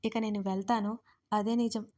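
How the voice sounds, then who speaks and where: A woman's voice: medium pitch, level tone, normal speed, darkish tone, close to an everyday voice. A woman voicing a nervous, timid young woman who hurriedly denies everything, in a Telugu audio story. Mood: flustered. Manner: flustered, denying, innocent.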